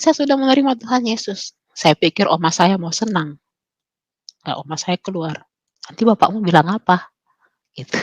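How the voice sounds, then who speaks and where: A young adult woman telling her personal conversion testimony, her voice climbing high and intense when she relives key moments. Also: dry recording. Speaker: testimony speaker.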